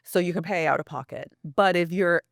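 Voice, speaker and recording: A woman's voice: on the low side, fairly quick, creaky, no room sound, studio quality. A woman journalist as a podcast guest, talking earnestly and thinking aloud with restarts. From United States. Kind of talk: reflective podcast interview.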